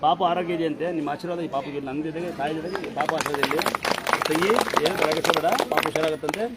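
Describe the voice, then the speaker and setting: A man with a Kannada accent, a temple priest instructing and blessing devotees at a fast, forceful pace. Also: a little high, steady tone. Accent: Kannada, Karnataka. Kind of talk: loud public address to devotees. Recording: loud crowd behind.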